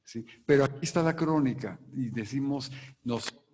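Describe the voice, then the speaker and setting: A Mexican man presenting a book to an audience, talking deliberately and tagging his points with a questioning word. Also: medium pitch, a little mellow. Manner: deliberate, tags lines with a questioning "sí". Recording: long hall reverb.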